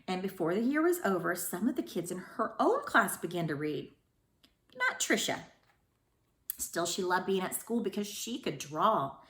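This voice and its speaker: A woman speaking as a school librarian who reads storybooks aloud to children in an expressive way. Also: fairly low pitch, moderate pace, reverberant. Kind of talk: storybook read-aloud with informal introduction.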